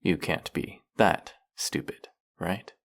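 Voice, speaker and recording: An actor playing a suave snake-headed male villain who teases his captive in an audio roleplay, with a slow, mocking, silky manner. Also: a bit bright.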